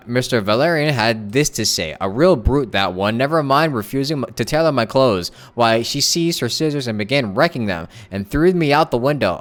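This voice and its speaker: A man's voice: fairly low pitch, fairly bright tone. A man livestreaming a game, reading text aloud with stumbles and reacting in casual, slangy commentary.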